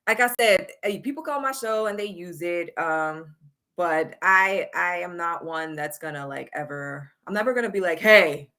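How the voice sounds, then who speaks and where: A woman's voice: on the low side, moderate pace, pushed and bright. A woman guest on a podcast, frank and chatty in casual conversation, laughing easily. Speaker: podcast guest and content creator. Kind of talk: casual chat.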